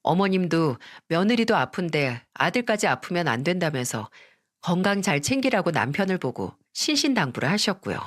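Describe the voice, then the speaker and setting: Woman narrator for a story channel, very lively pitch, dramatic first-person telling.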